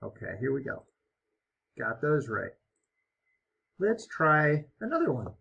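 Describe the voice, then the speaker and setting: A man teaching an online English lesson, explaining step by step in a slow, encouraging way. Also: medium pitch, huge pitch swings, creaky, fairly bright tone, husky, muffled recording. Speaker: ESL teacher.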